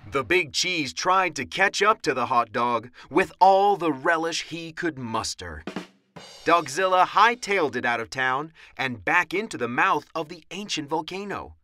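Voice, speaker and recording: A man's voice: fairly high pitch, animated, measured pace, bright, forceful tone, faint music behind. A man narrating a children's audiobook in a dramatic, theatrical and suspenseful storytelling style.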